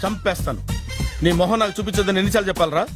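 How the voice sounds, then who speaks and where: A bossy employer with a short fuse, played by an actor, snapping clipped orders in a high, fast voice. His scolding runs over film music. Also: natural voice. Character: bossy, hot-tempered employer, barks in English. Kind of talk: film comedy dialogue. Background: film background music.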